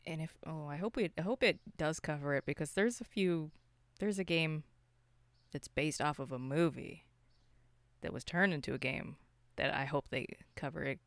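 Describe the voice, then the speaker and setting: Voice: medium pitch, normal speed, a bit bright, dry recording. A podcast co-host chatting casually, with slangy, exclamatory interjections. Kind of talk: casual chat and reactions.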